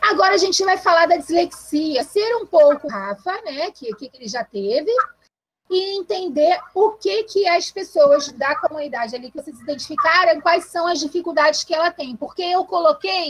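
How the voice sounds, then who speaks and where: Delivered at a moderate pace, the speech has lively intonation and big swings in loudness. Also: woman, extremely high pitch for a woman. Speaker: educational psychologist. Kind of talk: lecture.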